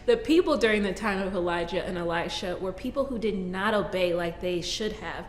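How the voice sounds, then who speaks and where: A woman's voice: medium pitch, a little fast, lightly acted. Woman as patient Jada in an echoey hall. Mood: explaining. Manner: patient, explaining to kids. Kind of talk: kids' church skit. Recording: echoey hall with long reverb.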